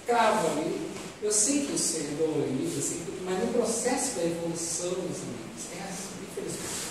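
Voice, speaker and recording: A Brazilian man speaks in a high voice as he teaches at a religious talk. He repeats his phrases and puts rhetorical questions to his listeners. The sound is picked up from far off in a strongly reverberant hall, with clear background noise. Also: sing-song, fairly quick. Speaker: speaker at a spiritist lecture. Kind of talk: expository religious lecture to an audience. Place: medium-sized meeting room, indoors. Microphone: distant audience camera. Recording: echoey hall, distant microphone, loud noise.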